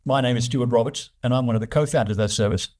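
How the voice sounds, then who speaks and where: A man's voice: mid-range voice, rapid-fire, darkish tone. Man hosting a business interview. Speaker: interviewer and show co-founder.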